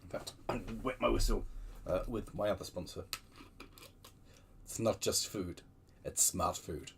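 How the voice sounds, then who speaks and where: A man's voice: on the low side, moderate pace, creaky, slight background noise. A man hosting his own channel, reading railway book extracts aloud with chatty asides. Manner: lively storytelling with chatty digressions.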